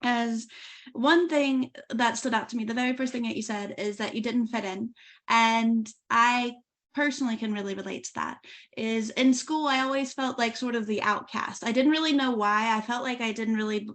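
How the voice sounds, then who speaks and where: A woman's voice: a little high, normal speed, a bit bright. A woman from Oklahoma hosting an interview podcast, speaking earnestly about her own life, with frequent "like" and restarts. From USA, Oklahoma. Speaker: podcast host.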